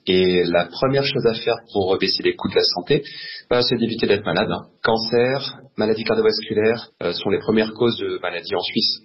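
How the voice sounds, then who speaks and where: A man's voice: fairly low pitch, normal speed, slightly rough. A man leaving a recorded voice message on an answering machine, reading out a prepared, indignant opinion. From French-speaking Switzerland. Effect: recorded voice message left on an answering machine. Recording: dull lo-fi phone message.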